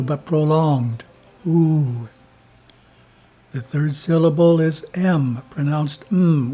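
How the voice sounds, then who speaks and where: A man who is a spiritual teacher reads his editorial in a slow, measured way and chants Om between the passages. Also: fairly high pitch, dark tone, slightly rough.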